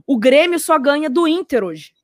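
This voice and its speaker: A woman's voice: high voice, sing-song, moderate pace, dry recording, clean studio sound. A woman, commenting on sports in an emphatic, opinionated way and repeating her points for force.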